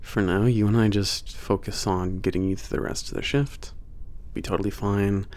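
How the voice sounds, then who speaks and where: A man playing a teasing werewolf trainer with a bit of an attitude in an ASMR roleplay, gravelly, casual and hesitant in his banter. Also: lowish voice, fairly even intonation, moderate pace, darkish tone, lightly acted. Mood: reassuring. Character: teasing, gruff-edged male werewolf trainer at a spaceport. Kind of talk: ASMR roleplay, naturalistic one-sided conversation.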